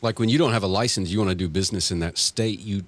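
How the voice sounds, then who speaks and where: A man with a low, deep voice hosting a casual podcast interview. He affirms his guest's points and adds his own take on them. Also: fast talker, no room sound. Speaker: podcast host.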